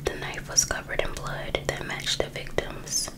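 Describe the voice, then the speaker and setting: Whispering woman reading aloud. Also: measured pace. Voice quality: unvoiced, breathy whisper. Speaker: ASMR host reading a true crime book. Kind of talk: whispered ASMR read-aloud with casual asides.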